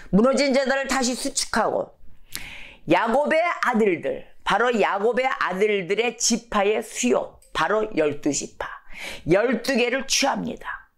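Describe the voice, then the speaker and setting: Woman pastor preaching, lively storyteller, voice swings up and down a lot. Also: fairly high pitch, a little slow, vocal fry. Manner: animated storytelling, asks the congregation questions. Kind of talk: sermon.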